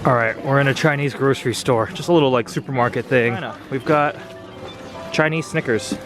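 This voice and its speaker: A man's voice: mid-range voice, a little fast, music in the background. A young American man narrating a casual car-spotting vlog as he walks, chatty and pointing things out. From United States. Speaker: car vlogger. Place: outdoors on city streets and in shops. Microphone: handheld camera mic.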